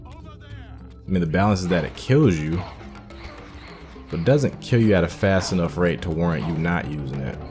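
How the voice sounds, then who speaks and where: A man with a very low voice gives relaxed commentary on a game he is playing. He muses out loud about the story and works through his thoughts as he goes. Game music plays faintly under his talk. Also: normal speed, pauses often. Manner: musing, thinking aloud while playing. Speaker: gaming channel host. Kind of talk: casual let's-play commentary.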